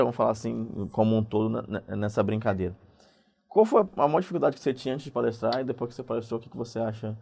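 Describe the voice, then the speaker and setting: A man's voice: medium pitch, creaky. A man hosting a casual podcast, asking questions in a playful, slangy way. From not from São Paulo. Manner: slangy, playful interviewer with lively rises. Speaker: podcast host.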